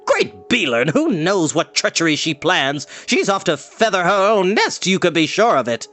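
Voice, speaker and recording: A man voicing an excitable, suspicious companion in a fantasy tale, bursting out indignantly. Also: sits high, normal speed, pitched above the performer's own voice. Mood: indignant alarm. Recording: music playing in the background.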